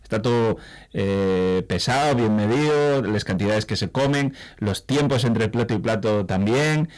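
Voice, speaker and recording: A man's voice: fairly low pitch, measured pace. A man who hosts a radio interview, joking and praising in an easygoing way. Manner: warm, jokey, enthusiastic praise. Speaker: radio host. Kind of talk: casual interview talk.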